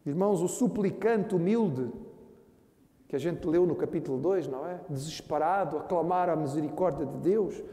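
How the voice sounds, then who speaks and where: A man's voice: a little high, normal speed, mellow. A man with a Brazilian Portuguese accent, a pastor preaching a sermon who earnestly calls his listeners brothers. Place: church hall. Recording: echoey church hall with long reverb.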